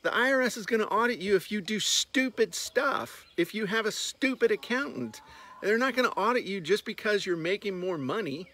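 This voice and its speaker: A man's voice: sits high, expressive, normal speed, pushed and bright. A man in his fifties, a business coach, talking bluntly and sarcastically to a phone held at arm's length while walking outdoors on a farmyard. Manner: blunt, sarcastic, jokey outbursts. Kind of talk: casual talking-head vlog.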